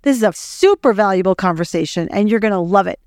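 A woman's voice: medium pitch, lively intonation, quick pace, darkish tone, no echo, clean studio sound. A woman speaking as a podcast host and interviewer. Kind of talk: scripted podcast introduction and interview.

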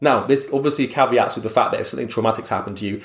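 A man's voice: medium pitch, very fast, creaky. A young man giving a blunt, motivational talk straight to the listener, swearing casually and calling him mate. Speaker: motivational speaker. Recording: roomy echo.

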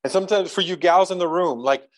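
A man's voice: high voice, fast, rough recording. Conversational male pastor preaching. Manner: conversational, reads scripture aloud, lightly joking. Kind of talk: sermon.

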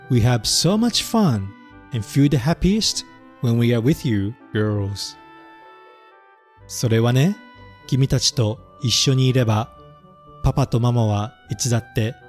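A man voicing a gentle father in a storybook, answering his young daughters softly and slowly. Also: mid-range voice.

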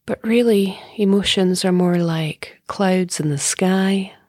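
Slow, breathy woman guiding a meditation. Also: mid-range voice, dry recording, clean studio sound. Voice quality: soft, breathy, often near whisper. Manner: calm, soothing, unhurried with long pauses. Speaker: meditation teacher. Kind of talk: guided meditation.

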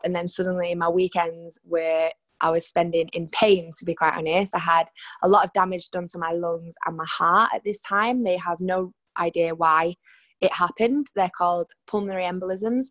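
Manchester girl in her 20s on a podcast call, lowish voice, dry sound, just chatting her story. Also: no echo. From Manchester, England. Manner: chatty, candid storytelling with fillers. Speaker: guest, personal trainer and nutritionist. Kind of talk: podcast interview. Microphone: remote call.

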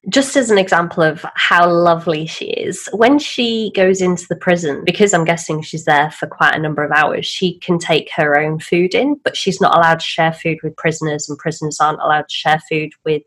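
A woman's voice: low voice, fairly quick, hardly any pauses, a bit bright. A British woman co-hosting a casual podcast chat, asking her co-host questions and drawing out words for emphasis. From Britain. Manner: chatty, asks questions, drags out words for emphasis.

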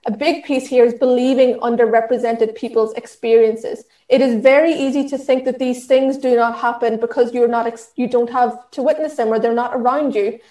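A woman's voice: on the high side, steady tone, normal speed, hardly any pauses, mellow, echoey room. A woman with an Irish accent giving an earnest training talk on allyship, with frequent fillers and restarts. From Ireland. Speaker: diversity and inclusion trainer. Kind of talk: talk at an online session.

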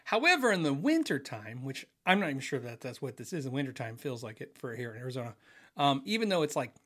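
A middle-aged man with a medium-pitched, bright, forceful voice talks at a quick pace with big pitch swings. Hosting a casual livestream from his home office, he rambles, restarts often and uses many fillers while reading viewer messages.

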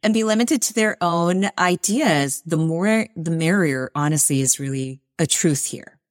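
A woman's voice: on the low side, a little slow, no room sound, studio quality. A woman in her forties, a guest on an interview podcast, talking in an upbeat, encouraging way. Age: 40s.

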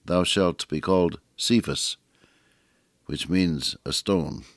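Man, slightly gravelly, radio sermon, emphatic scripture reading, low pitch. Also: takes it slowly, no echo, studio quality. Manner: reads scripture aloud with rising emphasis, folksy asides. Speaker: radio Bible teacher.

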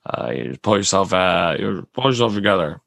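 Low raspy man rambling. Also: lively intonation, fairly quick, a bit bright, dry recording, clean studio sound. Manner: rambling, many restarts. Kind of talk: casual chat.

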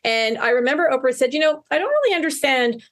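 A woman's voice: high-pitched, sing-song, fast talker, a bit bright. A woman in her fifties hosting an interview, enthusiastic and affirming toward her guest. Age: 50s. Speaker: host. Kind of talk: podcast interview.

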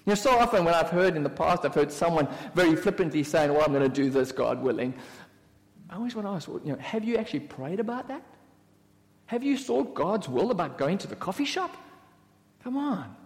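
High, lively-voiced male preacher in reverb. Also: a little fast. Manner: animated, repeats key phrases for emphasis; playful asides and mock voices. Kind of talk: sermon.

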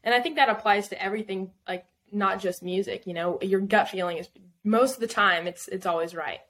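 A woman's voice: medium pitch, brisk, a bit bright. Young woman guest, chatty and loose, many fillers, laughs easily. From Southern California. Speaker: guest singer-songwriter. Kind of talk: casual podcast interview.

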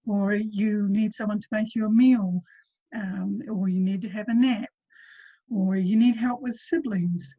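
A woman with a New Zealand accent chats easily as a podcast guest, stopping often on small ums. Her voice is mellow and a little husky. It comes through a dull, dry remote line. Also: mid-range voice, steady tone, measured pace, dry recording. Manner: chatty, with frequent ums. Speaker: guest, postpartum doula. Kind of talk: casual interview chat.

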